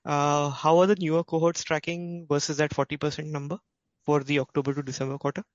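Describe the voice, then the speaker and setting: A man with an Indian accent asking questions as a financial analyst on an earnings call, in a halting, self-interrupting way. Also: fairly high pitch, flat delivery, no echo. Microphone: conference call line. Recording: dull, lo-fi conference call audio.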